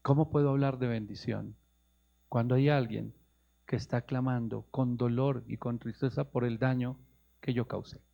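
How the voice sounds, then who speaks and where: A man with a Colombian accent preaching a sermon as a pastor, rising into high emphatic questions and calling his listeners brother. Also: steady tone, moderate pace, creaky, mellow. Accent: Colombian Spanish. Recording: muffled lo-fi radio broadcast.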